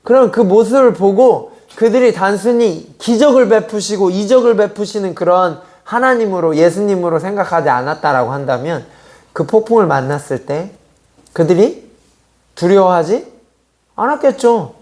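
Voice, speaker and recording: A man's voice: sits high, animated, moderate pace, darkish tone. A middle-aged man preaching a sermon at a youth church service, in a conversational way full of rhetorical questions. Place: church sanctuary.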